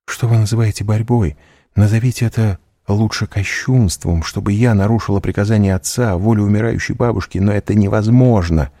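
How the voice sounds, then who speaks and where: Distraught young noblewoman, put on by a gravelly male reader, pleading and urgent. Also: fairly even intonation, fairly quick, mellow, no echo, clean studio sound. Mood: distressed. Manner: raised pitch, tearful urgency.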